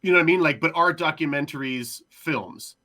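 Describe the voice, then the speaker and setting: A man in a casual panel discussion, hedging and repeating himself as he thinks out loud. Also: fairly high pitch, fairly quick. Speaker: panelist on a podcast discussion show.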